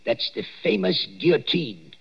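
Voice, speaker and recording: An actor playing a nervous old male night watchman in a waxworks, hesitant and full of pauses, in a 1940s radio drama on a dull old recording. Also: lightly acted. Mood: uneasy, hushed. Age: older. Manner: hesitant, full of 'uh's, spooky storytelling.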